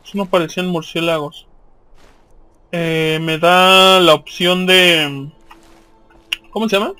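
High-pitched Mexican man, slangy game chatter. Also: steady tone, slow, sharp tone, no echo, soft background music. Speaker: video game streamer. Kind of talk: casual gameplay commentary.

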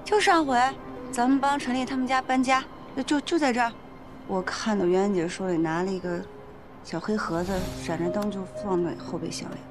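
An actress playing a timid young woman who explains herself hesitantly and softly. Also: medium pitch, a little fast, over music, close to an everyday voice. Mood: sheepish. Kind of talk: TV drama acting. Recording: TV drama with loud score.

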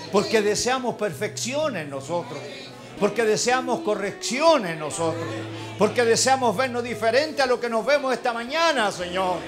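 A Chilean man delivers a church sermon in a slightly raised voice. He talks to the congregation in a folksy, familiar way and builds into fervent prayer. Quiet instrumental music plays underneath. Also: high-pitched. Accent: Chilean Spanish. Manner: folksy, addresses congregation as brother. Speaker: preacher. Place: church hall.

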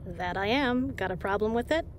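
A woman's voice: medium pitch, lively intonation, moderate pace, a little hiss or hum, close to an everyday voice. A woman playing a tough, capable spy in an audio drama, flirty yet caring. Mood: flirty, confident. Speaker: voice actor in a fan audio drama. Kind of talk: audio drama acting, intimate.

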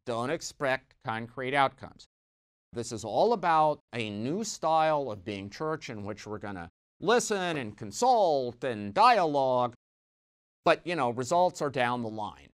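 A middle-aged man giving a weekly church news commentary from a small studio on a lapel mic, conversational and wry, with lively emphasis and dry asides. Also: mid-range voice, measured pace, smooth. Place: small dark studio set, indoors.

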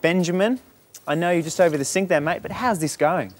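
A man's voice: fairly high pitch, brisk. A man with an Australian accent, a chef explaining a dish step by step on a studio kitchen set. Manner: relaxed, explanatory, chatty. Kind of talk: cooking demonstration.

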